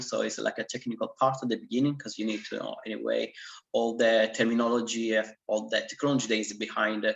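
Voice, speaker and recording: A man's medium-pitched voice in an Italian accent, at a moderate pace with fairly even intonation. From Italy. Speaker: student. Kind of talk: interview. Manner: halting, many fillers.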